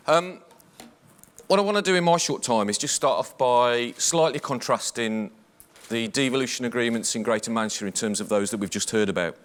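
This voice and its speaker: A man with a Black Country accent, a police chief superintendent, giving a measured, formal presentation at a conference. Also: mid-range voice. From English West Midlands. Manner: measured, formal briefing delivery.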